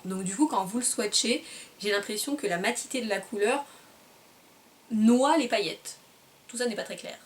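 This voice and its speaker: A woman's voice: medium pitch, a bit bright, recorded from a distance. Chatty woman reviewing makeup, slightly off-mic. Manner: chatty, searching for words, self-correcting. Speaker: beauty vlogger. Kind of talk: casual product review.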